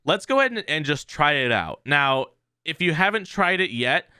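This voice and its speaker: Man, casual tutorial presenter, lively swooping pitch, crisp voice, conversational step-by-step explaining. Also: moderate pace, no echo, clean studio sound. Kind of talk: casual software walkthrough.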